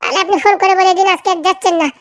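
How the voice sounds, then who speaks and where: Figure: tiny squeaky cartoon sidekick, extremely high-pitched. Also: fairly even intonation, very fast, fairly bright tone, no echo. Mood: reassuring. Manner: chattering, reassuring, colloquial. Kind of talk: comic cartoon dialogue.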